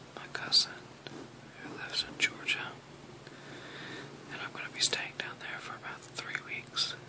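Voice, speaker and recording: Whispering moves along at a moderate pace. Long, frequent pauses break it up. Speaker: haul vlogger. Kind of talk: ASMR whisper shopping haul, casual talk to camera. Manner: whispered, soft. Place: home room. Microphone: phone near.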